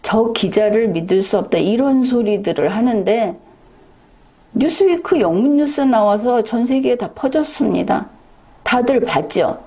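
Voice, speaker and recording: A woman's voice: a little high, animated, a little slow, dark tone, slightly rough. A woman giving a political commentary monologue, lecturing viewers directly and pressing them with rhetorical questions.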